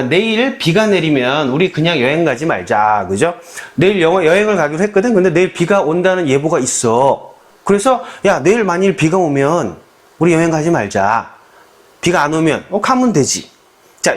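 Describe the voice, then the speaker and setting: Man, grammar lecturer, from South Korea, lively swinging pitch, frequent questions to the listener. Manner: animated, keeps asking the viewer questions and acting out quoted lines. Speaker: English grammar instructor.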